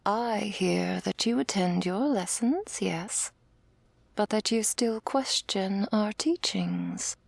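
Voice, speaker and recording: Woman acting slow, stern elder angel, ASMR role-play. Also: mid-range voice, gravelly, no room sound. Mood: reproving. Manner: measured, patronising. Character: stern, condescending female elder angel, commanding mother superior.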